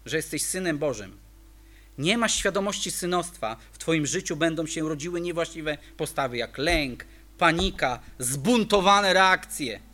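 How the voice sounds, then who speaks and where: A man's voice: on the high side, pushed and bright. A man preaching a sermon, emphatic and full of rhetorical questions to the congregation.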